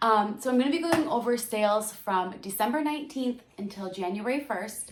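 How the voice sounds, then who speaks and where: The voice is loud. Its pitch swings very widely. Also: woman. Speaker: clothing reseller. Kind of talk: casual vlog talk. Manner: trying to speak loudly and clearly.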